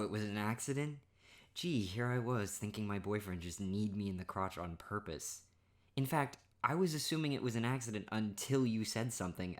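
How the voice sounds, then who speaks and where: A man doing a soft, playful boyfriend ASMR monologue, self-mocking and laughing often. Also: lowish voice.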